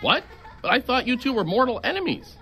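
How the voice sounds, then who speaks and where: A woman's voice: a little high, sing-song, a little fast, fairly bright tone, faint music behind. A woman voicing a timid male pet gerbil who commentates like a sportscaster. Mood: sheepish. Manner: sportscaster-style commentary, nervous. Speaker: play-by-play commentator.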